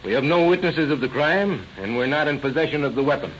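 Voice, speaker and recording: Brief: male actor as a steady detective sidekick, muffled vintage recording. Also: on the high side, fast, a little hiss or hum, lightly acted. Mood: matter-of-fact. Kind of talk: 1930s radio drama acting. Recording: dull old radio recording.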